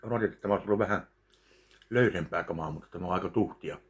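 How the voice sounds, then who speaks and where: A man in his thirties giving a slow, deadpan review of a meal while eating at home in his kitchen. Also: deep voice. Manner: slow, deadpan, pauses between bites. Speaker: food vlogger. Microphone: webcam at close range.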